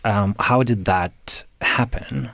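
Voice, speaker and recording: A man from Lithuania hosts a podcast interview, speaking thoughtfully and pausing with drawn-out hums. His voice sits fairly low, and the sound is close and dry. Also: gravelly, sharp tone, no room sound. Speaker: podcast host.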